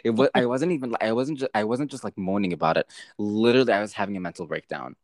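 A young man chatting casually and telling a story, with lively, swearing storytelling and frequent laughs. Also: on the low side, quick pace, no echo, studio quality.

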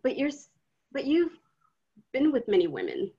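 A probing young filmmaker with a husky, breathy voice. Her pitch leaps around as she questions and teases, and the sound is a little dull. Young and quick-witted. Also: full character voice. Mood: earnest. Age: young adult. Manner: lively, probing, gently mocking. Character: young woman grad student filming an interview.

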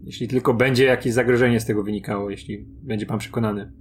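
A man's voice: mid-range voice, steady tone, quick pace, a little hiss or hum. A man playing a tabletop game, talking with an intense, dramatic manner. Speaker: player. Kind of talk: casual chat at a tabletop game.

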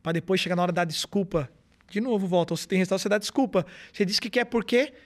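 A man's voice: high-pitched, racing. A man being interviewed as a guest on a podcast, a motivational speaker explaining his ideas in earnest steps. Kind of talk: podcast interview, casual conversation.

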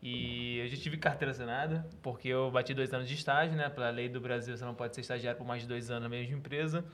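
A man chatting casually as a podcast guest, telling stories in an animated, joking way. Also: medium pitch, a little hiss or hum. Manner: fast, animated storytelling with laughs.

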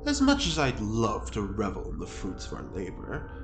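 Theatrical, boastful prisoner with swooping pitch. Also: wildly swooping pitch, moderate pace, echoey room, faint music behind. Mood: teasing, grand. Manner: theatrical, flowery phrasing. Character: theatrical, boastful prisoner Hugo, dapper and grandiloquent. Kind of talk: audio drama acting.

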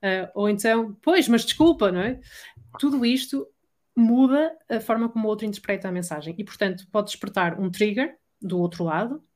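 A woman with a European Portuguese accent, a voice coach explaining techniques in an energetic, chatty podcast conversation. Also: medium pitch, a little fast. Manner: energetic, explanatory, acts out quoted dialogue. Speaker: voice coach guest. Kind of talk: casual podcast chat.

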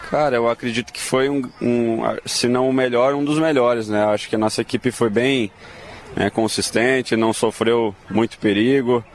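A Brazilian man, a footballer, giving a casual, measured interview answer about a match. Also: medium pitch, fairly even intonation. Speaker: professional footballer.

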